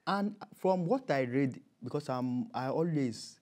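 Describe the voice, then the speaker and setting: A man's voice: medium pitch, lively intonation, measured pace, darkish tone. A man with a Nigerian accent speaking as an interview guest, conversational and emphatic, often repeating his key phrases.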